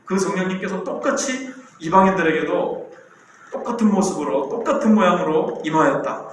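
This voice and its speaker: Pastor in his 60s, raised-pitch male voice, chatty sermon delivery, heavy church-hall echo, faint hiss. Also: animated, moderate pace. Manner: conversational storytelling preaching with rhetorical questions. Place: church sanctuary.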